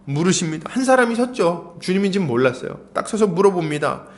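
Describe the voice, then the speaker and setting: A man preaching a sermon as pastor, storytelling with animated, acted-out lines. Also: high voice, fast talker.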